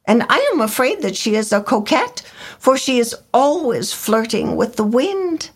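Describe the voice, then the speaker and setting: A woman's voice: a little high, sing-song, measured pace, breathy edge, pitched above the performer's own voice, full character voice. A woman voicing a vain, fussy little male swallow in a storybook reading, talking in a chirpy, self-important way. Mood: complaining. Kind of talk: storybook character voice.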